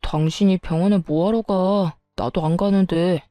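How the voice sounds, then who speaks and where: A woman's voice: fairly low pitch, steady tone, normal speed, warm tone, no echo, lightly acted. A woman voicing a cold, stingy young husband who lectures his wife dismissively. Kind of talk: storytelling dialogue.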